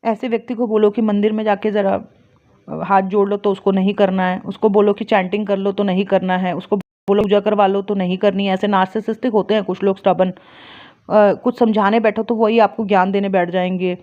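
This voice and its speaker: A woman's voice: mid-range voice, a little fast. A woman, a spiritual healer and astrologer, giving casual advice and telling stories with rising energy. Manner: explains plainly, rises into lively storytelling. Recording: dull lo-fi recording.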